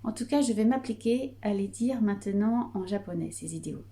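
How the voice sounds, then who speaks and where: A middle-aged woman with a Breton French accent explains a Reiki teaching in an unhurried, hesitant way, pausing often on fillers. Her voice is soft and dark-toned, sitting at an ordinary pitch for a woman. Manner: calm, hesitant with frequent fillers. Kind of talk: explanatory video lesson.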